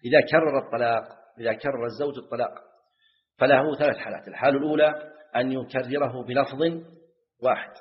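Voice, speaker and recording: A man's voice: mid-range voice, steady tone, quick pace. A man teaching jurisprudence to a class, repeating key phrases and quizzing his students. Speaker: Islamic scholar teaching jurisprudence. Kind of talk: classroom lesson. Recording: dull lo-fi lecture recording.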